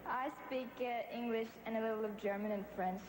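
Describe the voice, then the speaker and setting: A woman's voice: a little high, steady tone, brisk. A young woman, answering interview questions hesitantly as a pageant contestant. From Norway. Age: 20s. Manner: hesitant, searching for English words. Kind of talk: live on-stage interview. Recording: echoey hall with long reverb and noise.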